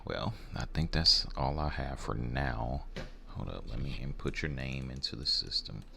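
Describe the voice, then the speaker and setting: A soft-spoken American man playing a rude, jaded warehouse hiring manager in an ASMR role-play, blunt, halting and apathetic. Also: a bass voice, gravelly, full character voice. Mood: dismissive, bored. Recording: faint background noise.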